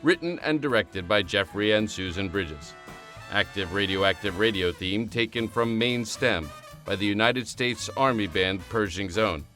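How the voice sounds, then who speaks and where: A man's voice: on the low side, measured pace, sharp tone. A man reading scripted credits as the announcer of an audio show. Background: music.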